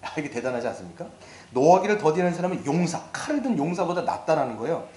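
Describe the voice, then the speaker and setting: A man preaching a lively sermon as pastor, acting out the attitudes he describes. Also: a little high, fast. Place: church sanctuary. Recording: echoey church hall.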